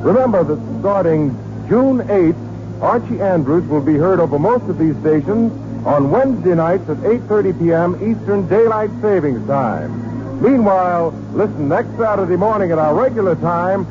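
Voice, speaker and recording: A man's voice: high-pitched, expressive, moderate pace. An American man announcing from a script in the style of 1940s radio. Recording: muffled old radio recording with music.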